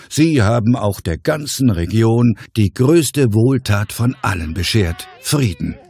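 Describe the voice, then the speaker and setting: A man's voice: fairly low pitch, a little mellow, breathy edge. A man narrating a comic radio play in a scripted storytelling style. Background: music.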